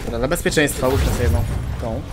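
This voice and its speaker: A man's voice: mid-range voice, quick pace, music in the background. Chatty man commenting on his gameplay. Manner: chatty, reacts loudly during fights. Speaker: let's play gamer.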